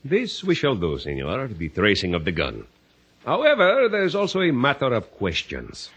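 An actor in a 1950s radio drama playing an urbane, sly Cuban police chief, courtly and formal, with a Cuban Spanish accent and a husky voice. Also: male voice, mid-range voice, huge pitch swings, normal speed, a bit bright, heavily acted. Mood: probing, suspicious. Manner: courtly, formal, overly polite.

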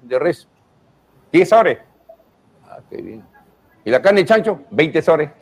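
A man's voice: a little high, sing-song, a little slow, slightly rough. A man telling a long stand-up joke theatrically, putting on voices for the characters. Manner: theatrical storyteller who puts on voices for characters. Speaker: comedian.

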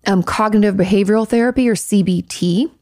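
A woman who hosts an advice show as a licensed therapist, chatting casually with a hoarse, raspy voice. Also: mid-range voice, fairly quick, mellow, no room sound, clean studio sound. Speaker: host, licensed marriage and family therapist.

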